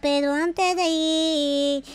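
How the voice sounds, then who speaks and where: Someone acting out a naggy mom in a game roleplay, high voice, slangy scolding but gives in. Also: fairly even intonation, extremely slow, a little hiss or hum. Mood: indulgent. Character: scolding, grudgingly indulgent mother in a game roleplay.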